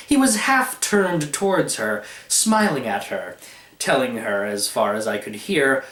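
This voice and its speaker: Man, storybook narrator, expressive, higher-pitched, very varied intonation, echoey room recording. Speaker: narrator reading a short story.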